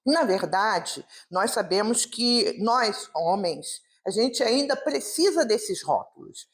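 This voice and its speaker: A woman's voice: medium pitch, lively intonation, slow. A woman speaker giving an informal, conversational talk on a gospel reading at a live public meeting, with many rhetorical questions. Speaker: guest speaker at a spiritist meeting.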